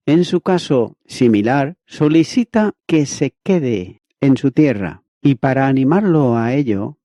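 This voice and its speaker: A man with a dark, mellow voice reads aloud an expository Bible commentary, steady and methodical, like a teacher working through prepared notes. The recording is dry and close, with a dull, slightly lo-fi sound. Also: mid-range voice, dry recording. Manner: measured, methodical reading of a prepared text.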